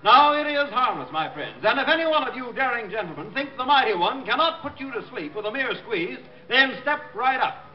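A high-voiced carnival barker. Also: male voice, expressive, brisk. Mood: hawking. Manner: booming sales patter. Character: loud male carnival barker, showman. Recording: dull lo-fi old radio transcription.

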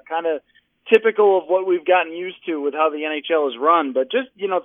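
A male guest speaks over a tinny phone line with a dry, close sound. His voice sits a little higher than most men's. He talks in a dry, sarcastic way and rambles, restarting his sentences as he goes. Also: no echo. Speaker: sports writer and analyst, guest. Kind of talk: casual interview chat.

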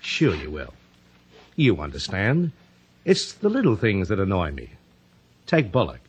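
Low-voiced, menacing gangster boss. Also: male voice, wildly swooping pitch, a little slow, slightly rough, full character voice. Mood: quietly menacing. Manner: clipped, quietly threatening, sardonic. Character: cold, menacing American gangster boss, a man. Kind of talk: 1950s radio crime drama acting. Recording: dull old radio recording.

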